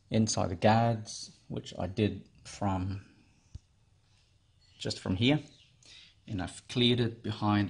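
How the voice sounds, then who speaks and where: A man's voice: lowish voice, vocal fry, a little hiss or hum. A man presenting a casual hands-on how-to tutorial. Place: in and around a car.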